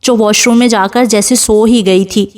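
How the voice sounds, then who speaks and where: A woman narrating a romance novel aloud in a steady, even storytelling manner. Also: fairly high pitch. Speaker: novel reader. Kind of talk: scripted audiobook narration.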